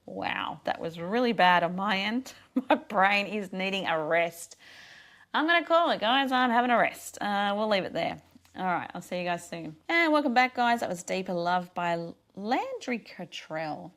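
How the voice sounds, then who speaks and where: A woman's voice: medium pitch, lively intonation, normal speed, a bit bright. A tired woman presenting on Christian radio, losing her voice and speaking earnestly with frequent restarts. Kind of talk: casual devotional radio talk.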